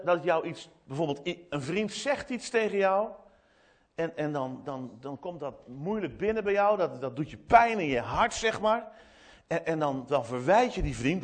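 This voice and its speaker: A man giving an animated children's sermon in church, retelling a story with many restarts and asides. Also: medium pitch. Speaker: preacher speaking to children.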